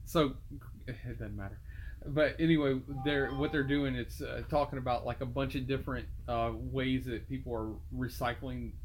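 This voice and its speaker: The speaker is a man at a moderate pace. Long, frequent pauses break up his speech. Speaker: podcast co-host. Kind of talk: casual chat.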